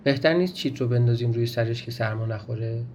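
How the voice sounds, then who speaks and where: Man voicing soft-hearted Boodi, pitying. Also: mid-range voice, lightly acted. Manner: pitying, coaxing, gentle. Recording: dull, slightly noisy recording.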